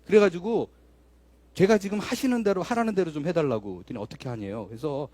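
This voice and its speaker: A man's voice: high voice, lively intonation, fast talker, a little mellow, slight background noise. A man in his fifties, a pastor telling a story in a conversational sermon. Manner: conversational, vivid storyteller acting out scenes.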